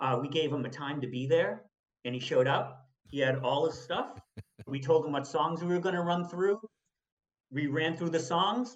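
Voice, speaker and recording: With a Boston accent, a man speaks at a moderate pace. His fairly high voice has ordinary pitch variation. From Boston area, Massachusetts (Saugus). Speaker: tribute band musician. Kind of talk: radio interview.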